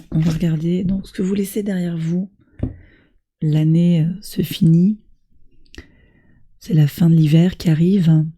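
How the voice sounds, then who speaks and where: A woman with a hoarse voice from a cold, doing a tarot reading and gently encouraging her viewers. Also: fairly low pitch. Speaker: tarot reader.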